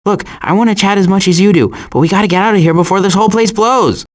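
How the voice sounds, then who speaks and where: An actor voicing a cautious, worrying turtle in an animated video game, with a dry, hesitant and wry delivery. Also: male voice, sits high, quick pace, close to an everyday voice. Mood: urgent. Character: cautious, worrying male cartoon turtle, dryly sarcastic.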